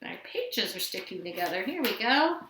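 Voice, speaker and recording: A woman reading a fairy tale aloud to children in an expressive storytelling style. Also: mid-range voice, moderate pace, background noise. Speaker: storybook reader. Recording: roomy indoor echo.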